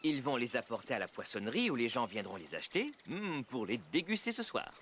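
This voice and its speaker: A patient cartoon dad. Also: male voice, mid-range voice, a little fast, slight background noise. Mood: calm. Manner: calm, explaining, reassuring. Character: patient kind father. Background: background music.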